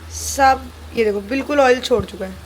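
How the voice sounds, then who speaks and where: High-voiced chatty woman vlogger. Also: normal speed, a little hiss or hum. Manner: chatty, addresses viewers as guys. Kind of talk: casual vlog chat to camera.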